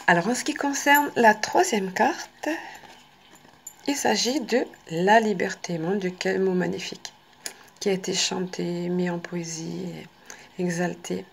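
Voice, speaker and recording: Slow, soft-spoken woman reading oracle cards. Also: mid-range voice, creaky, slight background noise. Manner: slow, soft, often drops to a whisper. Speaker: oracle card reader. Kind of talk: live card reading, reading card texts aloud.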